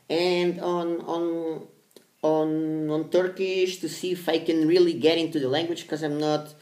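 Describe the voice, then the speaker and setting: A man giving casual advice on language study to viewers in a halting, rambling way, with many restarts and fillers. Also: on the high side, a little mellow. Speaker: language learning vlogger. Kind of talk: casual spoken advice to camera. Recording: echoey room.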